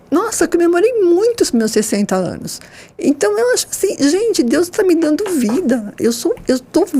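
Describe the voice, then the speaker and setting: An enthusiastic woman in her sixties chats on a panel, her voice pitched a little high yet mellow and dark in tone. She talks expressively, often tagging her sentences with little checks for agreement. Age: 60s. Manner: enthusiastic, expressive, with frequent "né?" tags. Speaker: nurse and guest. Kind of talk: casual panel conversation.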